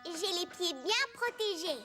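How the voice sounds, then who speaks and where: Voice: extremely high pitch, expressive, measured pace, music in the background. An actor voicing a curious, eager four-year-old boy in a French children's cartoon.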